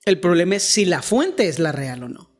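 Mexican man, high voice, easy joking co-host in a faith chat. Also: sing-song, normal speed. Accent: Mexican Spanish. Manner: joking, self-deprecating asides. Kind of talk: casual faith discussion.

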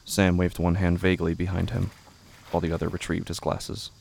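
A man reading scripted, literary narration for a horror audio drama in a measured, brooding way. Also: sits low, completely flat delivery, vocal fry, a little mellow, slight background noise.

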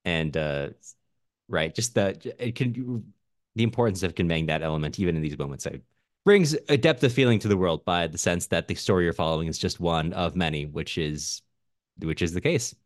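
A man co-hosting a podcast, discussing a book casually in a halting, informal way that often doubles back on itself. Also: low voice, expressive, no echo, studio quality. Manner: halting, self-interrupting, informal. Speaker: podcast co-host.

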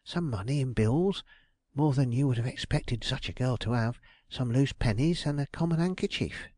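A man voicing an anxious, aggrieved middle-aged landlady, raised high and fretful in her protests. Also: expressive, normal speed, darkish tone, no echo, studio quality, natural voice. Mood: eager.

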